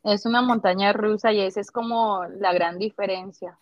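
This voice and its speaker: A woman's voice: medium pitch, steady tone, normal speed, no echo, lo-fi sound. A woman hosting a podcast as the mother of a disabled child, speaking in an earnest, supportive casual chat.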